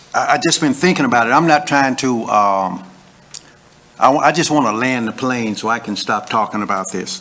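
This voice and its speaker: Over noticeable background noise, a man speaks at medium pitch and a moderate pace with ordinary pitch variation. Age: 60s. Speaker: school board trustee. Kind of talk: public meeting discussion. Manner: halting.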